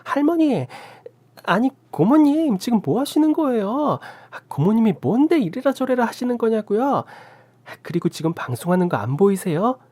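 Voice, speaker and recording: A woman voicing a selfish young sister-in-law who streams online, protesting in a shrill, whiny voice. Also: very animated, moderate pace, warm tone, no room sound.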